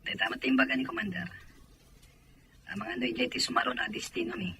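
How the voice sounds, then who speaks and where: A man's voice: extremely high pitch, fast talker, creaky, pushed and bright, heavily acted. A man with a Filipino accent acting an evasive philandering soldier in an audio drama. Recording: some background noise.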